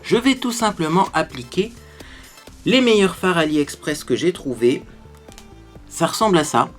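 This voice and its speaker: A man's voice: a little high, animated, unhurried, a bit bright, faint music behind. A man hosting a makeup tutorial, chatting to viewers as he explains each step. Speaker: beauty tutorial host. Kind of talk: casual makeup tutorial talk.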